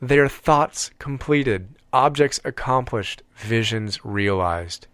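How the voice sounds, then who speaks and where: A man's voice: medium pitch, animated, fairly bright tone, clear, resonant tone, no echo. Man narrating an audiobook, very dry sound. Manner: measured, deliberate phrasing with emphatic pauses.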